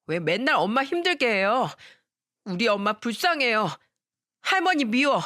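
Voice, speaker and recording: A storyteller voicing a small, distressed young boy who pleads in a high, tearful voice. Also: sing-song, normal speed, sharp tone, heavily acted. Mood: pleading.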